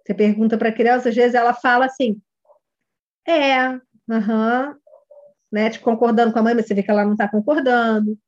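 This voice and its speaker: A woman's voice: on the high side, little pitch movement, racing, hardly any pauses, darkish tone, highs cut off. A woman with a Brazilian Portuguese accent, a kid coach instructor giving a chatty online course lesson and talking to students by name.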